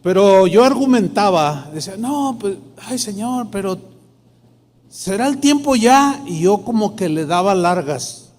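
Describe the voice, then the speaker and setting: A man's voice: high-pitched, expressive, unhurried, a little mellow. A middle-aged man, a pastor telling a personal testimony in a sermon, acting out the dialogue in shifting tones. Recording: long hall reverb.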